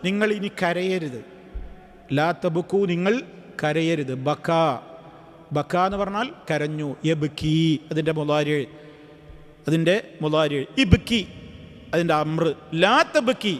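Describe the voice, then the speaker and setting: A man's voice: high voice, fairly bright tone, big-room sound. A man giving an Islamic study-class lecture in a teacherly way, posing rhetorical questions and repeating key words. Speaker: religious teacher.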